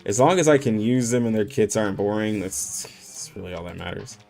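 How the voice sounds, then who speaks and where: A man's voice: fairly low pitch, a little fast, gravelly, darkish tone, faint music behind. A man streaming games, chatting casually with heavy slang and many "like" fillers, laughing often. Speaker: gaming streamer. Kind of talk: casual livestream chat.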